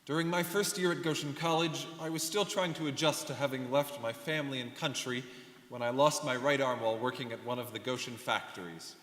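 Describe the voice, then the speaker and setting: A young man performing a scripted dramatic reading as a reflective immigrant alumnus, steady and solemn in manner. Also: mid-range voice, a little fast, natural voice. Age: young adult. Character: reflective male immigrant alumnus and devoted teacher. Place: large hall. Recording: echoey hall, long reverb.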